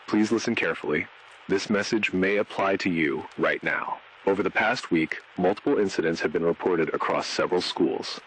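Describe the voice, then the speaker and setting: A man playing an ominous announcer, reading a school safety bulletin for an analog horror video in a grave, measured way. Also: low voice, fairly bright tone, a little hiss or hum, poor audio. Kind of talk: scripted analog horror PSA narration.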